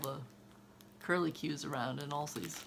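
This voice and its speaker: Her voice is very deep and low in pitch. Audible room echo colors the woman's speech. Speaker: cross-stitch video creator. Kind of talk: casual chat. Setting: home kitchen.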